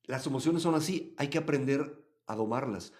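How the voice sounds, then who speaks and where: A man from Mexico, teaching a live Bible study and answering chat comments, swinging between loud emphasis and quiet asides. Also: mid-range voice, normal speed.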